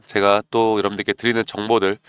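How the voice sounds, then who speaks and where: A man hosting a stock market channel, talking persuasively to viewers and often clearing his throat because of a cold. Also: lowish voice, little pitch movement, fast, a bit bright, no room sound, clean studio sound. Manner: persuasive, keeps asking viewers "you know?". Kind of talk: stock analysis talk to viewers.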